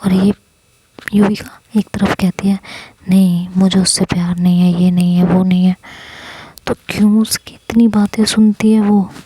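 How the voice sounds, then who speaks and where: A woman's voice: medium pitch, little pitch movement, unhurried, warm tone, husky, no room sound, rough recording. Woman doing a jealous scheming rival. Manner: resentful, brooding.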